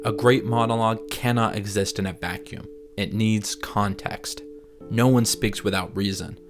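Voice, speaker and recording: A man reading scripted analysis as a video essay narrator, in a measured, articulate, explanatory manner. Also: fairly low pitch, steady tone. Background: background music.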